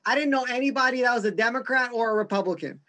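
A man's voice: extremely high pitch, fast talker, sharp tone. A man from Brooklyn, hosting a casual podcast chat in blunt, profane street talk. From Brooklyn, New York.

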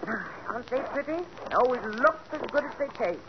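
An actress playing a brusque, domineering old aunt in the style of 1940s radio drama. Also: female voice, sits high, expressive, fairly quick. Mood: fond, pleased. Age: older. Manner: brusque, scolding. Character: crusty, domineering, wealthy old aunt, fond underneath. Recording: dull, noisy 1940s radio recording.

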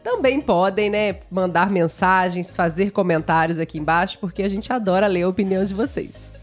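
A woman's voice: mid-range voice, normal speed, soft background music. A Brazilian woman co-hosting a Portuguese lesson, explaining in a friendly, chatty way and telling a short story. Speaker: co-host of a Portuguese lesson channel.

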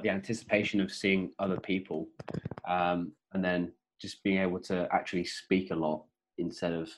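Young male podcast co-host, deep voice, relaxed rambling chat over a video call. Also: a little hiss or hum, poor audio. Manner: laid-back, rambling with many fillers.

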